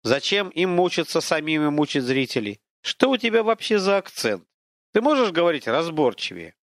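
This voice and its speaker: A man voicing an invisible, boastful male war god who mocks and lectures in a pompous, drawn-out, declamatory way. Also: a little high, very animated, a bit bright, dry recording. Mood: haughty.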